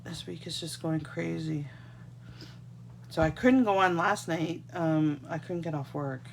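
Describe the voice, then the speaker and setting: A woman's voice: low voice, unhurried, gravelly, slight background noise. A congested woman from Canada, chatting to viewers as she demonstrates card-making at a craft desk. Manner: chatty, talks to viewers while working. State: congested, getting a cold. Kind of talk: casual live craft tutorial. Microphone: overhead camera on desk, hands only.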